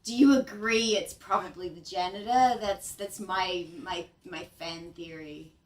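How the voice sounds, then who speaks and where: Woman, tabletop player, playful, slow-talking, higher voice, distant mic. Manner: giggly, playful. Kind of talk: casual tabletop play.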